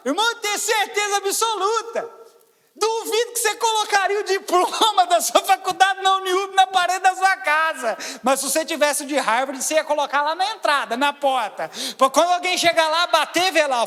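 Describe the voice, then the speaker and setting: A man with a Brazilian Portuguese accent preaching a sermon as pastor, swinging between loud exclamations and quiet asides. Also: very high-pitched, expressive, normal speed, big-room sound.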